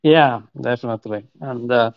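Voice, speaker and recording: A man's voice: medium pitch, moderate pace, vocal fry. A man hosting a casual gaming chat, moving the talk along with prompting questions. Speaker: podcast host. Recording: dull lo-fi sound.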